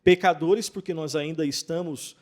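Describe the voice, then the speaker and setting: Pastor guy, mellow warm voice, a bit high, calm and measured, reads bible verses with emphasis. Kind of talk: explaining Bible passages in an interview.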